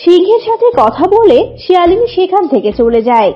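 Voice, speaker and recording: A woman's voice: very high-pitched, sing-song, brisk, lo-fi sound, faint music behind. A woman narrator reading a scripted children's animal story.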